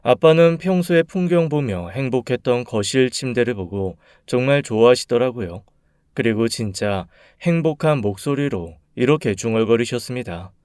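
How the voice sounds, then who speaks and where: A man narrating a read-aloud personal story in a calm, measured, soft-spoken way. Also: medium pitch, clean tone, dry recording, clean studio sound.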